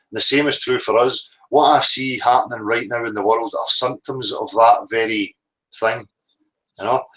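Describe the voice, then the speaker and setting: A Northern Irish man rambles loosely through a casual live-stream monologue, drifting from thought to thought and swearing now and then. His voice sits at an everyday middle pitch with a fairly bright tone, and he sounds unhurried and reflective, though the audio quality is poor.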